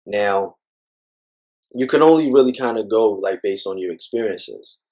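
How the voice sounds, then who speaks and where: A man's voice: lowish voice, measured pace, darkish tone. A man speaking as an interview guest, talking thoughtfully in a rambling way with many fillers. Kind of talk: reflective personal conversation.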